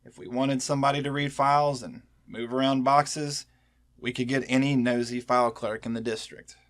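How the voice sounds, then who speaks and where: Actor as senior male agent, weary, stern, protective, medium pitch, cautioning delivery, audio drama. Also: little pitch movement, normal speed, fairly bright tone, natural voice.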